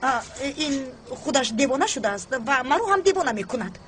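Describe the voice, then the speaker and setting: An actress with a Tajik accent playing a hurt, ashamed young daughter in a dubbed drama. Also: female voice, high-pitched, sing-song. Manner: hurt, reluctant. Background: loud background score.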